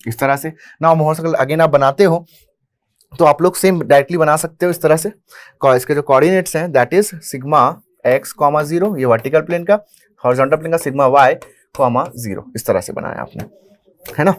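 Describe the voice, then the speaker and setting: A man's voice: a little high, normal speed. A man with an Indian accent teaching an engineering class. He mixes in English technical terms, repeats key phrases and asks the class questions that he then answers himself. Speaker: engineering lecturer. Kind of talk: classroom lecture explaining at a whiteboard.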